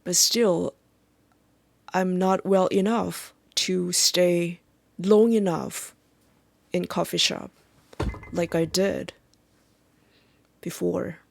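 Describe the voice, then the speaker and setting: A Korean-accented speaker, a native Korean speaker, talking in a halting, reflective vlog monologue and often pausing to search for words. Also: medium pitch, fairly even intonation, vocal fry, dry recording. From South Korea. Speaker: vlogger.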